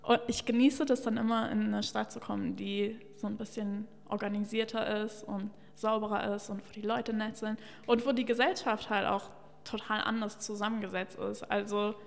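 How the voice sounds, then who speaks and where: A woman's voice: mid-range voice, little pitch movement, moderate pace, vocal fry. A young woman from Luxembourg, a journalist and podcast guest, talking candidly and with opinions into a stand mic, with many fillers. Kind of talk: casual interview talk. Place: large white basement room, indoors. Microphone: studio mic on a stand. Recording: long reverb of a bare room.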